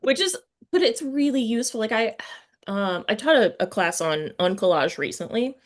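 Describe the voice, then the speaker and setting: Her voice runs high and animated, at a moderate pace. As a podcast host who also teaches writing, she leads an informal literary interview, working out her questions aloud as she speaks.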